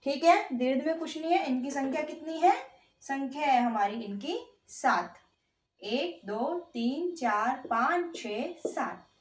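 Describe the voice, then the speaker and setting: A woman's voice: high-pitched, reverberant. A woman teaching a grammar lesson. She asks questions and answers them herself, and she repeats each point patiently. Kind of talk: online Hindi grammar lesson.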